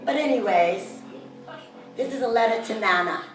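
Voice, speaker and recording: A raspy-voiced woman from the United States reading a personal letter at a community reading, chatty and a bit self-conscious. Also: a little high, expressive, moderate pace, soft background music. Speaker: poetry reader. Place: community event hall. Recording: echoey room, mic from far off, faint noise.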